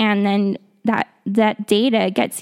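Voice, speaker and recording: In an American accent, a woman with a plain, everyday voice speaks at a fairly slow pace and medium pitch, the sound dry and close with no echo. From Salt Lake City, Utah. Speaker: nature educator guest. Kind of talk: casual interview.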